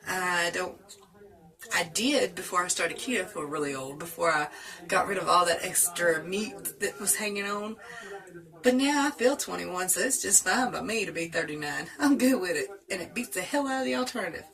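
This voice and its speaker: A woman's voice: on the low side, animated, normal speed, fairly bright tone. A woman in her late thirties with a Southern US accent, chatting casually and laughing often while answering tag questions. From North Carolina. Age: 30s. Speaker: vlogger.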